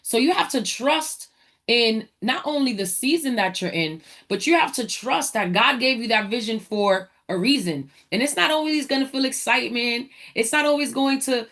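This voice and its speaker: Energetic preacherly woman host. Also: a little high, normal speed. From Dominican Republic. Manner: energetic, preacherly, talks to audience as y'all. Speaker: podcast host, entrepreneur. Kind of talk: motivational faith talk.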